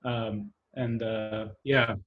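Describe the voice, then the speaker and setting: A man's voice: lowish voice, flat delivery, drawn-out words, a little hiss or hum. A man from the Emirates, a guest on a video call, telling childhood stories in a chatty way with fillers and laughs. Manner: chatty, laughing, many fillers, switches into Arabic. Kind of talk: casual storytelling on a video call. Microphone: remote video-call connection. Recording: dull remote call audio.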